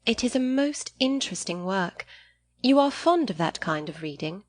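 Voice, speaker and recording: A woman voicing a sensible, gently wry young lady in an audiobook, composed and articulate with formal phrasing. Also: medium pitch, very animated, normal speed, natural voice.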